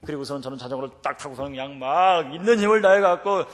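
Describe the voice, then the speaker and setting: A middle-aged man delivers a revival-meeting sermon at a rapid clip. His voice sits fairly high and rings with a long hall reverb. He swings between fervent prayer and lively, chatty storytelling. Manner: animated, switches between fervent shouted prayer and chatty anecdote. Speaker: preacher and professor. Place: church sanctuary.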